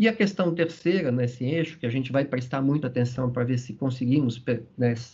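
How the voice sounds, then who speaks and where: Somewhat breathy, a man's medium-pitched voice moves with ordinary pitch variation. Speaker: spiritist lecturer. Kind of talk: lecture.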